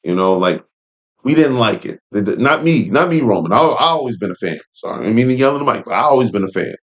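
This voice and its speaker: A man's voice: mid-range voice, lively intonation, fast talker. A man hosting a casual read-along commentary, speaking in an informal, opinionated way with conversational asides. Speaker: host and commentator. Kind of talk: casual commentary while reading an article aloud.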